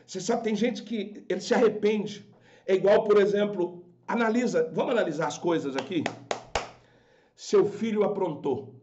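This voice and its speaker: A man's voice: high voice, fairly quick, darkish tone, lo-fi sound. A man with a Brazilian Portuguese accent preaching a fervent, scolding sermon as a pastor on a live stream. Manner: fervent, scolding, acts out quoted voices.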